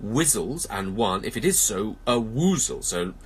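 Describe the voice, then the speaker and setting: A man voicing an earnest, slow-witted, good-natured storybook bear in a ponderous, thoughtful manner. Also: on the low side, big pitch swings, husky, exaggerated voice. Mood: pondering.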